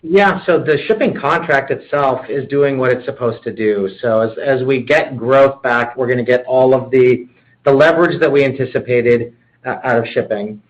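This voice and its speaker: A man's voice: medium pitch, normal speed. A man speaking as a company executive, explaining business matters on a conference call. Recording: dull conference call audio.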